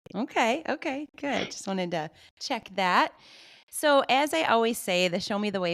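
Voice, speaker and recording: A woman with a Michigan accent, moderate in pace and lively in intonation. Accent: US Midwest (Michigan). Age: 40s. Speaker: podcast host. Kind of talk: casual interview chat.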